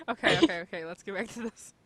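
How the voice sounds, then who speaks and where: A woman's voice: medium pitch, fairly bright tone. A giggly woman chatting and reading along casually, interjecting with playful protests. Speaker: story author co-reading and commenting. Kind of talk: casual chat and read-aloud with interjections.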